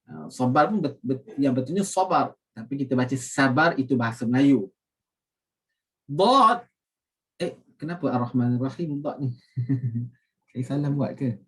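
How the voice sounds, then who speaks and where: A Malaysian man teaching Quran recitation rules, explaining with many fillers and reciting the words slowly and carefully. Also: medium pitch, distant mic. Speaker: religious teacher.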